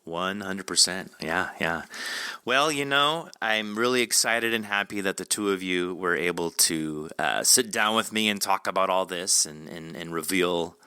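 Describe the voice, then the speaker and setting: A man's voice: low-pitched, unhurried, sharp tone, clear, resonant tone, no room sound, clean studio sound. A man hosting a casual podcast interview, chatting informally with guests. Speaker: podcast host.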